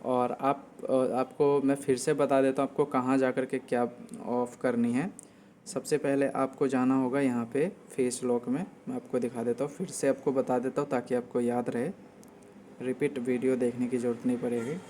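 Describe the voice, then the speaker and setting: A man's voice: medium pitch, little pitch movement, normal speed, a little mellow, a little hiss or hum. A man explaining settings step by step in a casual tutorial style, often repeating himself as host.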